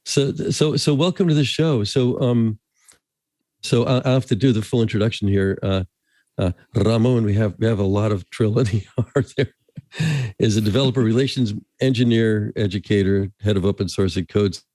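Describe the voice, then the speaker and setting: A man hosts a relaxed interview, dropping jokes and little chuckles between questions. His voice sits low and warm, with a soft, unforced tone and a dry, close sound. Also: normal speed, no room sound. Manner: jokey, chuckling asides. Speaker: podcast host. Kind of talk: casual interview chat.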